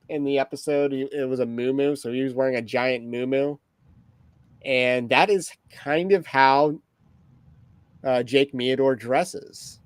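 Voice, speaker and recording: A man's voice: medium pitch, clean tone, no room sound. Dry, wry male livestream host. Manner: wry, rambling, with fillers and asides. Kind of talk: casual livestream commentary.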